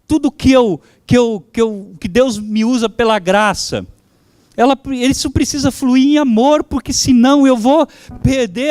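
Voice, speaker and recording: A man's voice: very high voice, darkish tone, dry recording. A man whose first language is German, preaching a sermon as pastor, fervent and calling out to his congregation.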